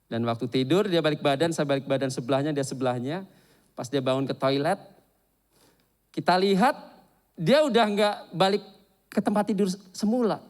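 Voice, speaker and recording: A man preaching a sermon and telling a candid personal story in an animated, confessional way. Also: on the high side, normal speed, pauses often.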